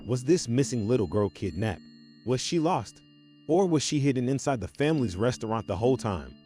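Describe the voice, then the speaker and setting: A man's voice: medium pitch, big pitch swings, brisk. A man narrating a true crime documentary from a script, in a storytelling style. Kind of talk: scripted narration with rhetorical questions. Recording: music bed under narration.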